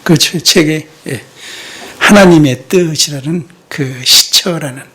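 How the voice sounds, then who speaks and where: A man's voice: on the high side, slow pace, a bit bright, a little hiss or hum. A man who is a missionary, preaching a sermon in a church. He keeps asking the congregation rhetorical questions and drops in short "yes" interjections. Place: church sanctuary.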